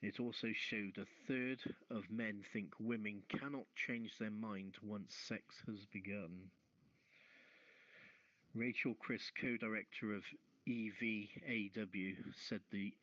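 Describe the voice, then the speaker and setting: A man hosting an online radio talk show, reading news stories and talking a little haltingly between them over muffled audio. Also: lowish voice, fairly even intonation, a bit bright, no room sound.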